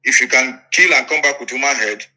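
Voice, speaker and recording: A man's voice: medium pitch, a little fast, sharp tone. A man with a Nigerian accent telling his account in an interview, emphatic, repeating phrases and checking that his listener follows. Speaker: interviewee, politician. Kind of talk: interview storytelling.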